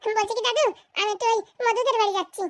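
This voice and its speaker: A woman's voice: very high-pitched, fairly even intonation, fast. A woman voicing a pert, insistent young married granddaughter in a comic cartoon. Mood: coaxing.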